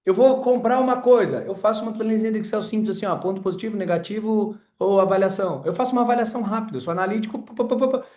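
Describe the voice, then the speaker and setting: A man's voice: high-pitched, rapid-fire, few pauses, darkish tone, echoey room. A man teaching an informal sales class, chatty and full of personal stories, talking straight to his audience. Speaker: sales trainer.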